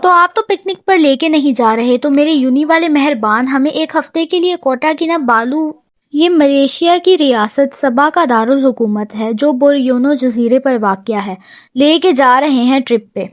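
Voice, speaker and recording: A woman voicing a stubborn, lively young woman who sulks, pleads and flares up, in a storybook reading. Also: high-pitched, no room sound, studio quality, natural voice. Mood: pleading. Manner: sulky, pleading, shouting in outbursts.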